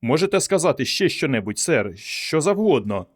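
A man's voice: a little high, big pitch swings, moderate pace, voice pushed up. A man playing a fervent young doctor. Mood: eager. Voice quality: fervent, emphatic. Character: earnest young male doctor, excitable admirer.

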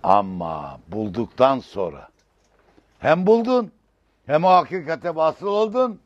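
A man's voice: a little high, big pitch swings, slow, no echo. A man giving a religious lecture in an emphatic, rising and falling way, using learned, old-fashioned vocabulary. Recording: dull lo-fi recording.

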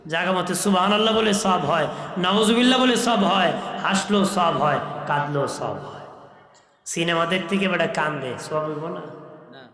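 A man's voice: high-pitched, moderate pace, fairly bright tone. A male preacher giving a sermon, telling stories and moving into a melodic chant. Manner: switches to a melodic chanting delivery; dialect-flavoured Bengali storytelling. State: feeling unwell, speaking softly. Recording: echoey hall with long reverb.

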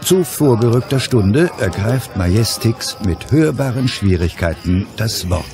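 A man's voice: fairly low pitch, lively intonation, a little slow. A man narrating a comic radio play in a scripted storytelling style. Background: music.

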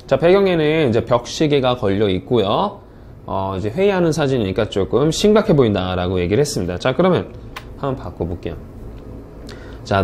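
A man teaching English speaking test strategies in a recorded online lecture, reading the example words slowly and clearly to show intonation. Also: medium pitch, darkish tone, a little hiss or hum. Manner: upbeat, drills intonation with slow example readings.

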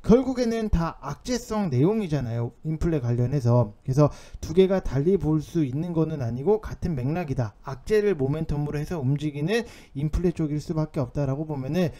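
With a mellow, slightly high voice, a man talks expressively and fairly quickly, hardly stopping for breath. He hosts informal market commentary over on-screen notes, urging his points with a somewhat pressing tone.

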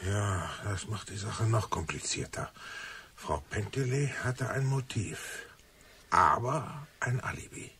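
An actor playing a gruff, impatient police commissioner with a brusque, commanding manner in a German radio crime drama. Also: male voice, on the low side, takes it slowly, pushed and bright, full character voice. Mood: pondering.

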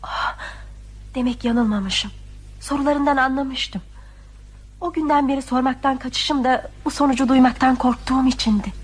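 Old radio play: soft, hesitant young patient full of questions, high voice. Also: female voice, steady tone, normal speed, husky. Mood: anxious. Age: young adult. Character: young woman patient, gentle and curious. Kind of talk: old radio drama acting.

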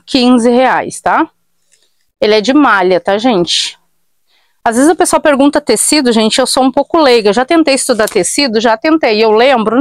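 A Brazilian woman in her thirties runs an online thrift shop, chatting casually with viewers as she shows and prices used clothes in a small shop during a live sales pitch. She addresses viewers directly with lots of tag questions. Her voice is a little high with no echo, captured by a fixed camera at mid distance.

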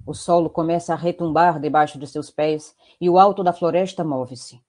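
A woman's voice: sits low, fairly even intonation, moderate pace, warm tone. A woman with a Brazilian accent giving scripted dramatic narration as the storyteller of an audio drama.

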